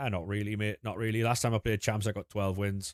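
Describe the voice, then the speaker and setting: A man talks very fast with a northeast England accent, the sound dry and close with no echo over a silent background in a very clean recording. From northeast England, Sunderland. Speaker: gaming streamer. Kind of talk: casual chat. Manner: casual, relaxed.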